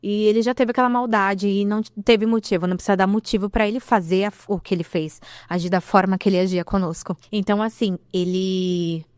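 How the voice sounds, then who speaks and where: A woman in her thirties giving an emotional personal testimony as a podcast guest, telling her story with animated delivery and acting out the dialogue she remembers. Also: medium pitch, fast, few pauses, clear, resonant tone, dry recording, clean studio sound.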